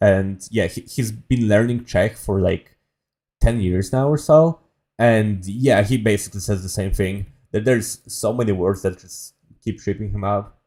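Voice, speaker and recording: In a Polish accent, a man speaks at a moderate pace with a fairly low pitch, a dark, mellow tone and ordinary pitch variation, in a very clean recording with a silent background. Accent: Polish, fairly strong. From Poland. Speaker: streamer. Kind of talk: casual chat. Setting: live stream. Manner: halting.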